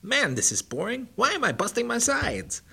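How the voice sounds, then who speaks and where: A man voicing a boastful, fast male hare who mocks his neighbor. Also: very high voice, sing-song, vocal fry, pushed and bright, breathy edge, voice pushed up, full character voice. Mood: mocking. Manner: mocking, brash.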